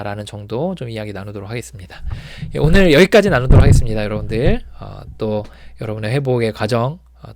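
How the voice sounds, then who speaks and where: A man's voice: mid-range voice, vocal fry, no room sound. A man counselling on addiction recovery, talking informally and rambling with many fillers and restarts. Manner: acts out shouting people when retelling. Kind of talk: informal talk to viewers.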